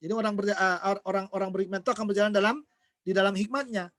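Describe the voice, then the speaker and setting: A man's voice: high voice, fairly even intonation, racing, a bit bright. A man preaching a sermon who keeps asking the congregation questions and then answers them himself. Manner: acts out everyday quarrels in quoted voices.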